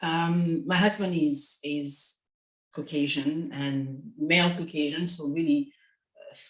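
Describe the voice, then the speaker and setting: A woman talks with a French accent. Her pitch is very deep and low. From France, Paris. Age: 50s. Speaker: author and businesswoman. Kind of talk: online seminar talk.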